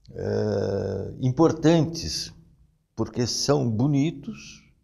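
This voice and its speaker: With audible room echo, a man speaks at a very slow pace with lively intonation. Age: 70s. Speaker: writer and poet. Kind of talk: interview.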